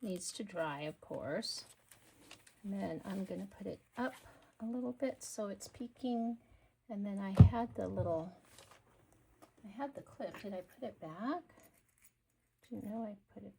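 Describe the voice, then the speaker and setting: A woman hosting a craft video, talking quietly and murmuring to herself as she works, a little sniffly. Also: mid-range voice, lively intonation, unhurried, gravelly, long pauses, a little hiss or hum, poor audio. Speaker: craft channel host. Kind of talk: casual craft-along chat.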